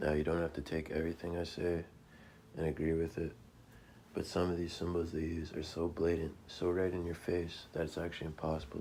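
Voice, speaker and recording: Very deep and low, this man's dark, mellow voice runs at a very fast pace in a monotone, flat intonation. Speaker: conspiracy video narrator. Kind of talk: commentary over slideshow. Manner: quiet, not very clear.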